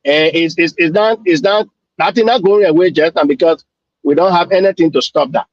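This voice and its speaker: A man's voice: fairly high pitch, brisk, dry recording. A man joining a talk show remotely off camera, speaking loosely and circling back over his points. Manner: conversational, loose, repeats himself. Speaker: remote co-panelist. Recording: dull lo-fi call audio.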